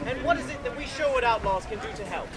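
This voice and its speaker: A bold, playful outlaw hero acted by a man in outdoor Renaissance faire theatre. He declaims jauntily in a very high, animated voice, with a loud crowd all around. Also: quick pace, loud music behind the voice. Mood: concerned. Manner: declamatory, jaunty, archaic phrasing. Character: Robin Hood, bold, playful, righteous outlaw leader. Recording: noisy outdoor crowd, street ambience.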